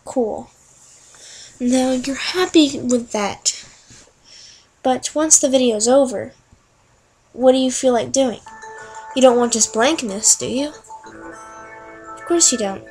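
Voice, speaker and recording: A young woman chatting through each click in a casual screen-recorded software tutorial. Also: high voice, slow, pauses often, faint music behind, rough recording. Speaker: tutorial narrator.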